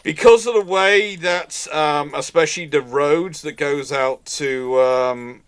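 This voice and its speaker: A man's voice: fairly high pitch, slow pace, fairly bright tone, clean tone. A man hosting a live question-and-answer chat, talking in a rambling way and often repeating and rephrasing himself. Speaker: host answering audience questions.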